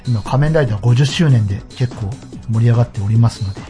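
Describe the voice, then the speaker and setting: A man with a mid-pitched voice hosts his own show over background music. He talks casually but politely to his listeners, in the manner of a solo radio presenter. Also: fast talker.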